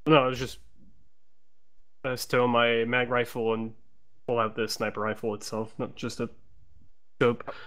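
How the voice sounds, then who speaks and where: A man's voice: mid-range voice, completely flat delivery, measured pace, long pauses, a bit bright. Guy playing a tabletop rpg, medium voice, kinda unsure, asks stuff casually. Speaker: player in a tabletop game. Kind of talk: casual chat during play.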